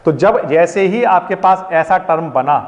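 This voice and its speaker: With a high voice, lively intonation and a measured pace, a man teaches maths in Hindi laced with English words. He asks the pupils questions, then answers them himself, in a dull, echoey classroom recording.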